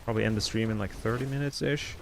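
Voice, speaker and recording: Rapid-fire and gravelly, this lowish male voice keeps a steady tone while he rambles through casual live-stream chat during gameplay. He's a streamer from Sweden with a lightly softened accent, full of fillers and thinking out loud. A faint hiss or hum sits underneath.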